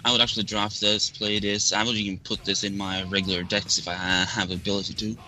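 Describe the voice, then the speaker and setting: A male podcast guest with a low pitch but a very bright, sharp tone gives his views hesitantly, circling back with "actually" again and again. Faint music sits underneath. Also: flat delivery, fast, low-quality recording. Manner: hesitant, repeats "actually" often. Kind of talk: casual chat.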